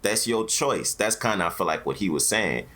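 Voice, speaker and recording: A man's voice: lowish voice, animated, normal speed, pushed and bright. A man with an African American accent hosting a casual, opinionated podcast, talking in slang with plenty of swearing. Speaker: podcast host.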